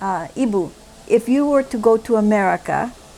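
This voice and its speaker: A woman's fairly high voice with music in the background. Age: 80s+. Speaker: retired expatriate. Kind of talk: interview.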